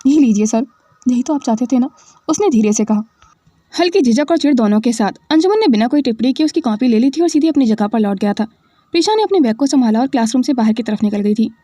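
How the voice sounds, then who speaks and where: Lady storyteller, expressive, high voice, dry close mic. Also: quick pace, no room sound. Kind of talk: scripted story narration.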